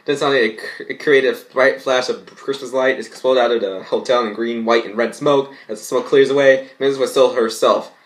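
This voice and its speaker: A man's voice: medium pitch, steady tone, normal speed. Young man reading aloud, stumbling over words. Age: young adult. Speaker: vlogger. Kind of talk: reading fan fiction aloud with mocking commentary. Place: small bedroom indoors.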